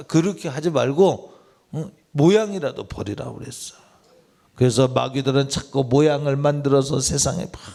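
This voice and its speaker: A man's voice: a little high, vocal fry, a little mellow. A man, a pastor, preaching a sermon in a church, with a conversational style and direct questions put to listeners. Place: church sanctuary.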